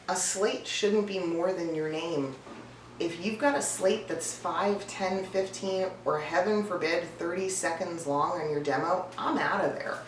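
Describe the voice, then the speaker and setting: A woman with a slightly low voice gives coaching tips in a blunt, emphatic, conversational way. She sounds set back from the microphone in a clearly echoey room, with faint noise underneath. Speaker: voice-over coach and casting professional. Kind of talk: direct-to-camera advice video, tips list. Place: indoor room with a cat nearby. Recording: roomy, distant mic, some background noise.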